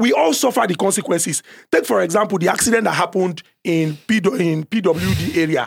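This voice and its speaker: Speaking at a very fast pace, a man with a high pitch sounds animated while keeping his loudness very even. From Nigeria. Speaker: podcast host. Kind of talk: casual panel discussion.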